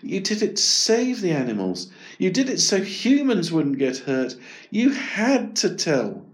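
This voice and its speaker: A man voicing an anxious, conscientious young boy with a high, hesitant voice. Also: sing-song, unhurried, exaggerated voice. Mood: pleading.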